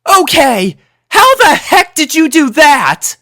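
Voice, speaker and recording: A man's voice: very high voice, very animated, slow pace, sharp tone, no echo, clean studio sound, pitched above the performer's own voice, exaggerated voice. A man voicing a smug, teasing teenage girl with a matter-of-fact manner in a story reading. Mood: astonished.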